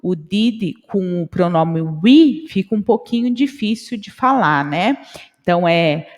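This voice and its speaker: Slow, lively-voiced Brazilian woman teacher. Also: fairly low pitch, big-room sound. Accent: Brazilian Portuguese. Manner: slow, repeats English phrases and translates them. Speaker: English teacher. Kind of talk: online English lesson.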